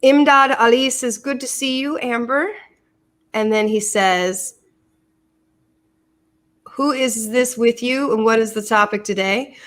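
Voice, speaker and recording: Speaking slowly with long pauses, this middle-aged American podcast host has a fairly high, fairly bright voice. She's on a live stream, chatting casually and warmly with her daughter, and tends to repeat words when starting a thought.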